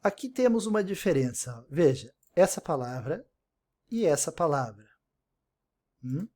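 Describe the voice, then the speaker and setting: Man teaching pronunciation, slightly high voice. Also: big pitch swings, measured pace, mellow. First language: Portuguese. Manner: explains step by step, repeats pronunciations, frequent "né?". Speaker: English teacher. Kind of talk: recorded online language lesson.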